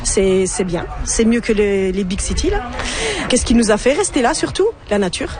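A woman's voice: mid-range voice, sing-song, moderate pace, crowd noise. A woman from France, answering interview questions hesitantly and with many fillers. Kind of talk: casual interview.

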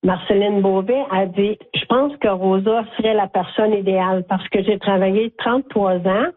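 An older woman with a Franco-Ontarian French accent, talking as a guest in a phone interview, animated and chatty, often checking in with "ok?". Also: medium pitch, moderate pace. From Northern Ontario, Canada. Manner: warm, animated storytelling with frequent "ok?". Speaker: guest, community volunteer. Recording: tinny phone line.

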